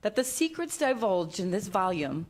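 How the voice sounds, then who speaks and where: A pedantic lady scholar acted by a woman in a staged comedy reading. The delivery is formal, measured and exact, in a medium-pitched voice. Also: big pitch swings. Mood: solemn, precise. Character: prim, pedantic female scholar of Greek culture.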